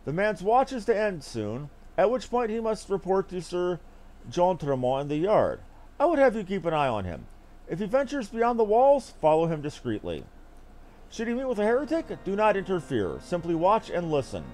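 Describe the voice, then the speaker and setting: A man reading a fantasy game script aloud in a formal, theatrical, measured delivery. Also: high-pitched, huge pitch swings, a little mellow.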